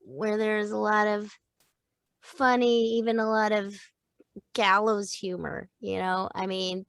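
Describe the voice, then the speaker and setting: A middle-aged woman voice actor, a guest on a podcast, chatting casually in a playful, expressive way, laughing often and restarting her thoughts as she goes. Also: mid-range voice, vocal fry, no echo, studio quality. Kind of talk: casual interview chat.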